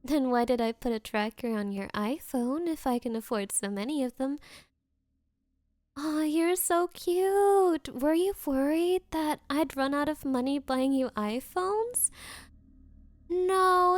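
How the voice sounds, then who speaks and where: High-pitched bratty rich yandere girlfriend acted by a woman. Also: no echo. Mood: sweetly possessive. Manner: condescending, teasing, faux-sweet, drawn-out valley-girl phrasing. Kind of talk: ASMR roleplay, anime-style girlfriend audio.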